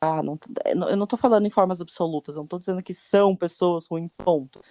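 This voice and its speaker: A woman's voice: fairly low pitch, fast talker, warm tone, no echo. A woman, co-hosting a podcast, explaining points earnestly in lists. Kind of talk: explanatory conversation.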